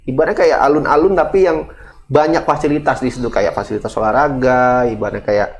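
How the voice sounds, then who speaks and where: A man's voice: medium pitch, fairly even intonation, a little fast. A man hosting a casual talk show, chatty and agreeable, throwing in jokes. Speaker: host.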